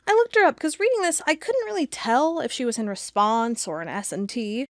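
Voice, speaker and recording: A woman's voice: on the high side, expressive, a little fast, no echo, clean studio sound. A woman playing an investigator narrating a strange case in a scripted audio drama. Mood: animated, incredulous. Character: female investigator narrating a strange case, reading aloud reports.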